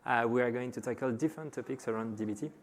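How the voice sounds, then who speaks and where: A man's voice: mid-range voice, fast. Man, French accent, middle-aged, conference talk, many hesitations. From France. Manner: frequent hesitations with many "uh" fillers; addresses a live audience. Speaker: conference speaker.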